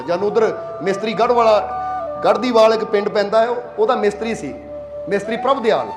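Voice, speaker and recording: In an echoey room, a man from Punjab, India, speaks in a high voice as he preaches to a congregation. He tells stories plainly and conversationally, frequently asking if his listeners understand.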